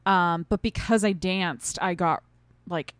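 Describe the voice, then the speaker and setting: A woman's voice: lowish voice, slow, clean tone, no room sound. A woman co-hosting a podcast, chatting casually in a playful, teasing way. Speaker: podcast co-host. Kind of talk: casual conversational chat.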